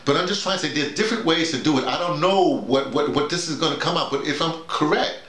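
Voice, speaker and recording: A middle-aged or older man talking casually and emphatically to colleagues like a teacher, often halting and repeating his words over and over. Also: fairly high pitch, fairly bright tone. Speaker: workshop leader and radio drama teacher. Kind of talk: casual informal explanation to colleagues. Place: small indoor room with bare walls, seated. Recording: roomy, echoing small room.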